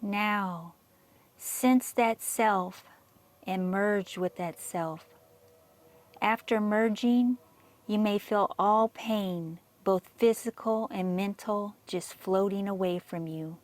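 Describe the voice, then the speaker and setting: A woman reading a scripted guided meditation in a measured, soothing manner with long pauses. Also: mid-range voice.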